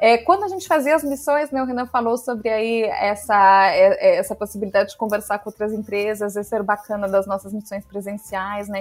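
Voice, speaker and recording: With a Brazilian accent, a woman speaks at a fairly quick pace in a medium pitch, her intonation fairly even. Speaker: international recruitment director. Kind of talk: podcast interview. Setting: remote call from Canada.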